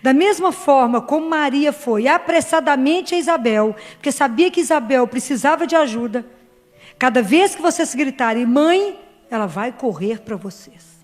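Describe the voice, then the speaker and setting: Brazilian woman preaching on mary, high voice, big echoey hall w/ soft music under. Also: a little fast. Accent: Brazilian Portuguese. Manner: fervent, preaching to the crowd with retold dialogue. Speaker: Catholic speaker and doctor. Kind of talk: devotional sermon on Mary. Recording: reverberant hall with faint music.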